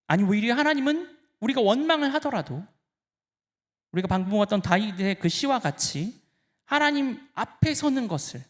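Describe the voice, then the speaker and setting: Impassioned pastor, lively swooping voice. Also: male voice, sits high, normal speed. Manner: impassioned, swinging between hushed and loud; addresses the congregation directly. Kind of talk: sermon.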